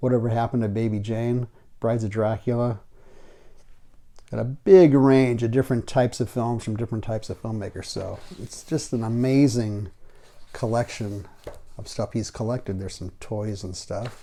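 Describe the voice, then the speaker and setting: A man with a dark, mellow, relaxed tone and medium pitch speaks at a moderate pace with fairly even intonation, big swings in loudness and long, frequent pauses. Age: 60s. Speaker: YouTuber reviewing horror film books. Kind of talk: casual book review show-and-tell. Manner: relaxed, conversational with fillers.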